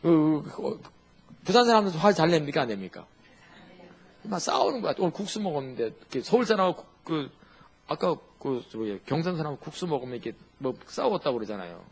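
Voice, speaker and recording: A male pastor delivers a sermon, humorous and animated, firing off rhetorical questions. His voice is somewhat husky and sits a bit high. His pitch rises and falls in a lively way. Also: brisk.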